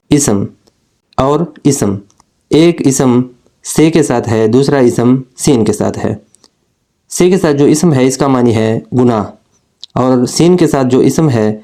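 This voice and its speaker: A man with a Pakistani Urdu accent talks through a grammar lesson. His voice is mellow and dark, at an ordinary middle pitch. He explains each point slowly and deliberately.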